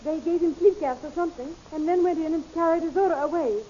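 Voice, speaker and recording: An actress playing an anxious young heroine with an urgent, melodramatic manner in a 1930s radio serial. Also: female voice, extremely high pitch, fast, mellow. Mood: alarmed. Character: anxious, breathless young heroine companion of hero. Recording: muffled 1930s radio recording.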